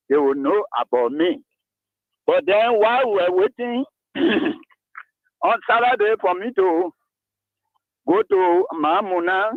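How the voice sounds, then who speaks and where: A man in his seventies with a Liberian English accent, calling in to a radio talk show and speaking slowly about himself. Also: high-pitched, dry recording. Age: 70s. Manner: slow, lively rises and falls, gravelly. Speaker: caller. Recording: tinny dry phone line.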